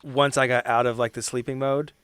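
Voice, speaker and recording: A man's voice: medium pitch, level tone, fairly quick, fairly bright tone, clear, resonant tone, no room sound. A man playing in a tabletop role-playing game, talking informally and improvising loosely. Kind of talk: casual improvised role-play chat.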